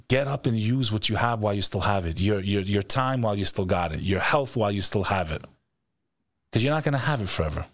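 A man's voice: lowish voice, no room sound. A middle-aged man hosting a show, talking in a blunt, emphatic, profane motivational style, repeating phrases for weight. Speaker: show host. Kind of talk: motivational interview talk. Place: indoor studio setup, video call. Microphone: close studio microphone on stand.

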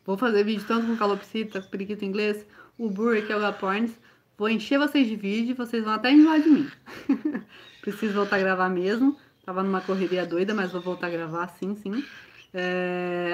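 A woman with a Brazilian accent hosting a casual livestream as a bird breeder, answering viewer questions one after another. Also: medium pitch. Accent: Brazilian Portuguese. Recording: slightly dull livestream audio, faint noise.

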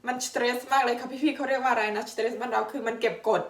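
Woman vlogger, chatty and friendly, a little high-pitched, recorded from a few steps off the camera in a bare, echoing house. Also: steady tone, very fast, vocal fry. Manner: chatty and warm, addresses viewers as older siblings. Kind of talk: casual home-tour vlog. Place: indoors in a house under renovation. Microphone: camera mic. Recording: echoey room, distant from mic.

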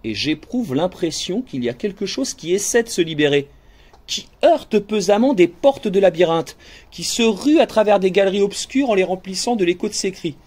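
A male audiobook narrator with a fairly high voice reads in a hushed, dreamy first person. His pitch moves a lot, sinking to near murmurs and rising again. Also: lively intonation, normal speed. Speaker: audiobook reader. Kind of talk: scripted narration.

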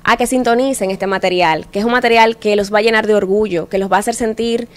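A woman's voice: medium pitch, fairly even intonation, fast. A woman in her thirties with a Dominican Caribbean Spanish accent, giving articulate answers as a guest in a TV studio interview. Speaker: studio guest presenting an anniversary campaign. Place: indoor TV studio. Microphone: handheld microphone.

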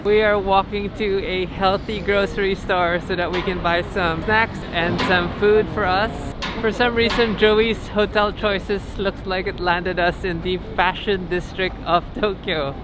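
A woman's voice: mid-range voice, fairly even intonation, unhurried, few pauses. A woman narrating a casual travel vlog on the go, upbeat and chatty, from airports, streets and a hotel room. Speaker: travel vlogger. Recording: noisy street ambience.

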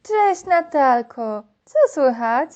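A woman voicing a friendly, cheerful little boy in a storybook, speaking gently and encouragingly. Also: high voice, animated, slow pace, highs cut off. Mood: gentle.

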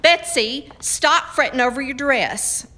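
An actress playing a firm, practical frontier mother in a radio drama, with a brisk, folksy, scolding manner. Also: sits high, pushed and bright. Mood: brisk, motherly.

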